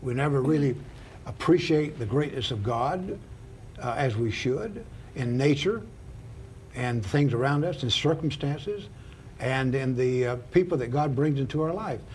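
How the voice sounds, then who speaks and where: A man hosting a Christian television talk show, speaking in a deliberate, sermon-like way with frequent "uh" fillers. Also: mid-range voice, animated, darkish tone, a little hiss or hum. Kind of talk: preachy opening then interview.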